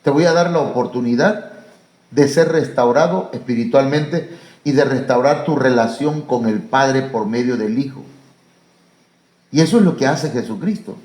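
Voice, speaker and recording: A man with a Mexican Spanish accent preaching a sermon as pastor, pausing on fillers and rising to emphatic high calls. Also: a little mellow. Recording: echoey church room.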